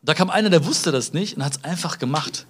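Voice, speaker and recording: A man's voice: a little high, animated, fairly quick, fairly bright tone. A man from Germany hosting a casual self-help podcast, talking straight to the listener with frequent tag questions, fillers and restarts. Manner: hesitant restarts and filler sounds. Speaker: podcast host.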